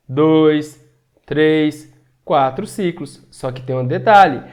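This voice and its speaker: Brazilian guy teaching physics online, kinda high voice, goes loud and quiet to show sounds, keeps asking if u got it. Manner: explains step by step, checks in with students often; shifts loudness to demonstrate sounds. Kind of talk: online lesson.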